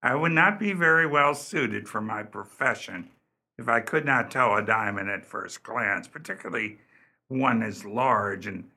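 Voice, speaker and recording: An actor playing a courteous, stammering jeweler in a radio play, hesitant and formal with a raspy voice. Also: male voice, lowish voice, measured pace, bright, forceful tone, exaggerated voice. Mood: courteous, confident. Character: flustered, eager male jeweler, courteous and self-assured.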